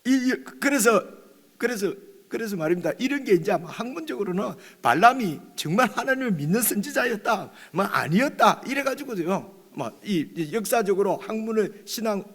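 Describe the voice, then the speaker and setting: A male pastor giving a dawn prayer meeting sermon in a conversational way, often checking with his listeners and pausing on fillers. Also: high voice, very animated, a bit bright, long reverb tail. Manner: conversational, often asks "right?"; hesitant, many fillers and restarts.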